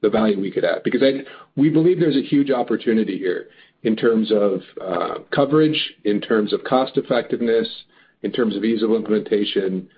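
A man answering as a company executive on an earnings call, halting but upbeat and emphatic. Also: on the low side, a little hiss or hum. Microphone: phone or conference call line. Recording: muffled narrow phone line.

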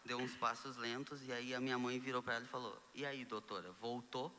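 A young Brazilian man, a guest telling his story in a casual conversation, animated and acting out the dialogue he quotes. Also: mid-range voice, a little fast, long reverb tail. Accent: Brazilian Portuguese. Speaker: guest sharing testimony.

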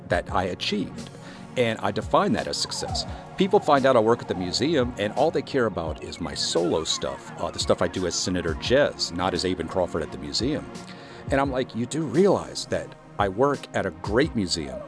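Lively low-voiced man hosting a podcast. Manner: earnest, animated, encouraging. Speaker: podcast host and composer. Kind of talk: solo motivational podcast monologue.

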